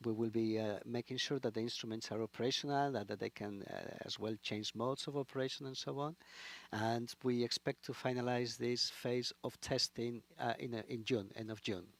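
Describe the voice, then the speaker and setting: A male program manager answers as an interview guest in a halting, searching way. His voice is mid-pitched with a heavy gravelly creak. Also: fairly even intonation. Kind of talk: live interview.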